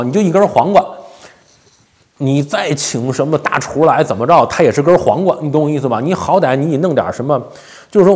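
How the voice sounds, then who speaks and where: 一位四十多岁、带北方普通话口音的男性，用口语化的方式做时政评论，常用反问和“对不对”之类的追问。. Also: male voice, mid-range voice, a little mellow. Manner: colloquial, rhetorical questions, frequent tag questions. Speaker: commentator, host of a daily show. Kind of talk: informal political commentary. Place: small indoor home office. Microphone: lapel.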